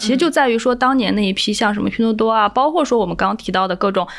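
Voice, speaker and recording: Her voice is fairly high in pitch. This woman shows ordinary pitch variation. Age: 30s. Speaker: venture capital investor. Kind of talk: casual chat.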